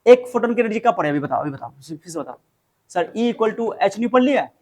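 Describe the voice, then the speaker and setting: A man's voice: sits high, very animated, a little fast, darkish tone. A man tutoring chemistry, mixing in English terms, repeating formulas and scolding his student. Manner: mixes Hindi with English terms. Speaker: chemistry teacher. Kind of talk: informal tutoring lesson.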